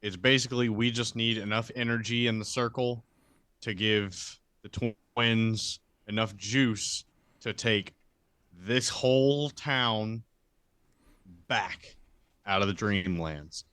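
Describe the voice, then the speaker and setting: A man's voice: fairly low pitch, slow pace, sharp tone, clear, resonant tone, no room sound. A man playing a tabletop role-playing game, explaining his character's moves in a casual, matter-of-fact way.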